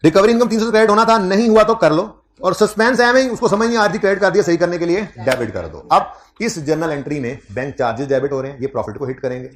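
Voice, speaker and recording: Guy teaching a class, kinda high voice, chatty and teasing, says stuff twice. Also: lively intonation, quick pace, few pauses. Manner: conversational, teasing students, repeats key points. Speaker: accounting lecturer. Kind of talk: classroom lecture.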